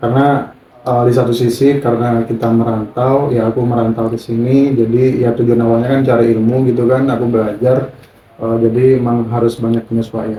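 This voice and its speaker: Over noticeable background noise, a man with a medium pitch talks at a fairly quick pace in a monotone, flat intonation. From East Java (Situbondo, Madurese community). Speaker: designer. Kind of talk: podcast interview.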